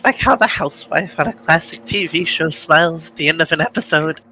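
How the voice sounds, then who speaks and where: A woman's voice: sits low, fairly quick, sharp tone, a little hiss or hum, poor audio. A woman voicing a jumpy, whiny, dramatic nerdy young man in a fan playthrough of a game. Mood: indignant. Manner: melodramatic, exclaiming. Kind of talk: amateur voiced playthrough of a visual novel game.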